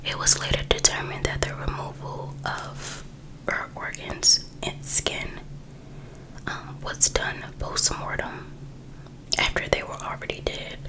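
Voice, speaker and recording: A woman reading a book aloud for ASMR in a breathy, unvoiced whisper, pausing between short phrases. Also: low-quality recording. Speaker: ASMR creator.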